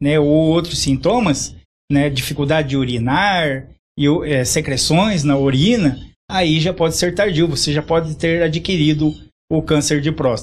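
Speaking at a fairly slow pace, the man keeps a very even loudness and ordinary pitch variation over light background noise. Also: fairly high pitch for a man. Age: 50s. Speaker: firefighter sergeant. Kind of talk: interview. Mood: calm, informative. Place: home room. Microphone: handheld.

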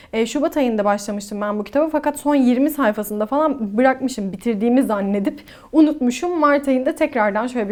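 Against a quiet background, a woman with a high pitch speaks at a fairly quick pace with lively intonation. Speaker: YouTuber; film reviewer. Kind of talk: casual monologue. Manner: giggly. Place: home room.

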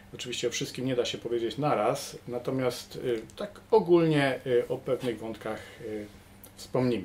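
A Polish accent at a moderate pace. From Poland. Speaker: interviewer. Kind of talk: interview. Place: studio.

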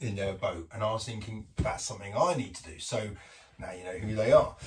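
Light background noise under a male speaker. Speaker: boat vlogger. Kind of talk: casual vlog chat. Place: boat. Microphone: camera far.

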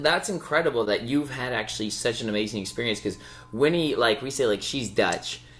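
This man speaks in a Canadian accent at a fairly quick pace. He has a normal speaking voice at medium pitch. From Canada. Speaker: podcast co-host. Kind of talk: casual chat.

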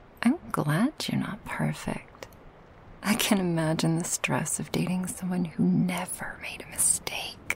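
Whispering at a fairly slow pace, a woman speaks in a gentle tone. There is noticeable background noise. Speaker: ASMR creator performing girlfriend roleplay. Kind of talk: ASMR comfort roleplay, scripted girlfriend monologue to listener. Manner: soft, tender, intimate and reassuring; gentle, slow-paced, with soft laughs and sighs.

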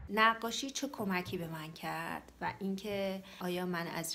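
With ordinary pitch variation, a woman speaks at a medium pitch. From Iran. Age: 30s. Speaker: art teacher. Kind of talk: interview. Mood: calm, reflective. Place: home room. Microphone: phone near.

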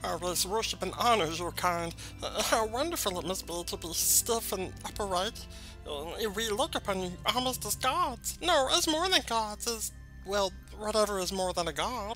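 A man doing a put-on character voice, pitched high for a man, speaks at a moderate pace with clear music in the background. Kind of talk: comic alien voice acting. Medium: game stream. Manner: sycophantic, gushing, oily; self-satisfied, conspiratorial.

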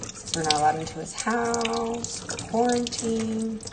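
Noticeable background noise behind a fairly slow delivery. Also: woman. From Mexican-American family, bilingual. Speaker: livestreamer. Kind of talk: casual live stream chat. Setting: family ranch in Mexico, phone livestream. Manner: low energy. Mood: relaxed, chatty. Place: home room. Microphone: phone near.

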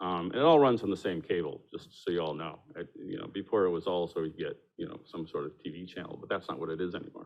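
Talking at a very fast pace with hardly any pauses, a man with a very deep, low pitch shows ordinary pitch variation and big swings in loudness. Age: 60s. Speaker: resident speaking at public meeting. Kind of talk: public comment at town meeting. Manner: halting.

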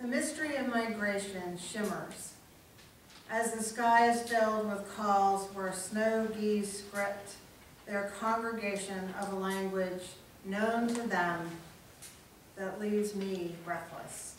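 Very slowly and with fairly even intonation, a woman speaks amid audible room echo and light background noise. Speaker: amateur poet. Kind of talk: poetry reading, original poem read aloud to an audience. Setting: community room with audience. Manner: measured, lyrical, expressive. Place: hall.

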